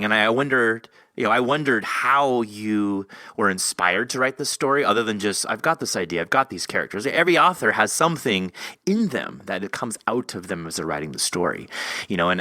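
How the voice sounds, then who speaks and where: A man's voice: low voice, pushed and bright, dry recording. A man hosting a podcast, chatting casually through an interview and animatedly acting out imagined quotes as he explains. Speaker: podcast host.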